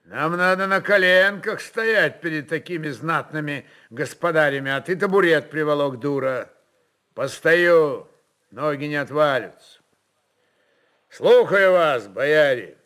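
A man voicing a bold, forceful Cossack chieftain in a radio play, commanding and theatrically mock-humble. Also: on the high side, a little slow, smooth. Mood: mocking, defiant.

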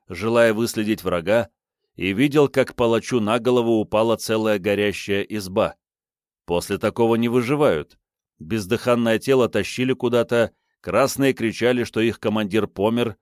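A man narrating an audiobook novel in a measured, even storytelling manner on a close studio mic. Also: on the low side, no room sound. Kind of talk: scripted narration.

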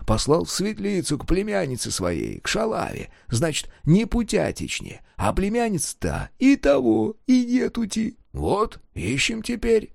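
A man voicing a nervous, gossipy warrior who talks in a hushed, conspiratorial way. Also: high-pitched, wildly swooping pitch, a little slow, creaky, few pauses, no echo, clean studio sound, voice pushed up, exaggerated voice.

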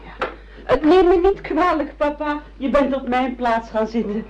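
A noisy radio drama recording of a young daughter with a fairly high voice. She speaks politely and carefully, keeping things matter-of-fact. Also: lively intonation, moderate pace, a little mellow. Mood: careful, apologetic. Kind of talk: radio play acting.

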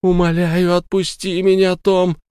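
A man voicing a terrified, pregnant young woman who begs for mercy in high, sobbing pleas. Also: lively intonation, moderate pace, a little mellow, no echo, studio quality. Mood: pleading.

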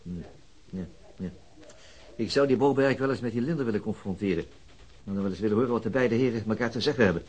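An actor playing a probing, dry male police detective in a radio crime drama, musing and wry in a deliberate way. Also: fairly low pitch, a little mellow, natural voice, low-quality recording.

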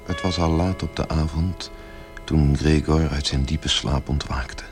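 Very deep male narrator over music. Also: steady tone, a little slow. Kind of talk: scripted radio play narration.

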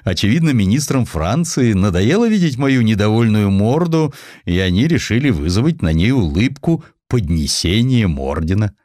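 A man's voice: on the low side, big pitch swings, moderate pace, few pauses, darkish tone, dry recording. A man acting a gloomy, self-mocking aging inventor tycoon with a dry, grumbling manner, in an audio drama. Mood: wry, mocking. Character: Alfred Nobel, wry gloomy aging misanthropic inventor tycoon.

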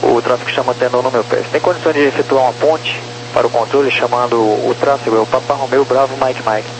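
A man's voice: medium pitch, fairly even intonation, fast talker. A man with a Brazilian accent giving air traffic control instructions as a radar controller over a crackly radio transmission. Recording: crackly, humming, noisy aviation radio.

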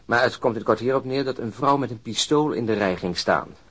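An actor playing a cynical, grumbling heavyset police detective in a radio drama, in wry, natural dialogue. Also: male voice, medium pitch, fairly quick, a bit bright, breathy edge.

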